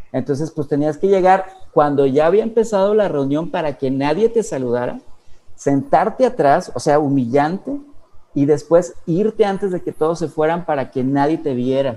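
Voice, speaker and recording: A man's fairly high pitch with lively intonation and a dark, mellow tone. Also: moderate pace. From northern Mexico, Linares, Nuevo León. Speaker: former Jehovah's Witness, youtuber. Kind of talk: testimony in live-stream interview. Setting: live stream, remote call.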